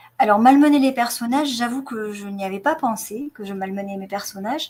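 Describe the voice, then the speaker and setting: A woman's fairly high, somewhat breathy voice with a southern French accent, at a fairly quick pace and with ordinary pitch variation. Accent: southern French, singsong. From southern France, Aude and Pyrénées-Orientales. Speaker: novelist. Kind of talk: live video panel discussion. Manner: hesitant, many fillers.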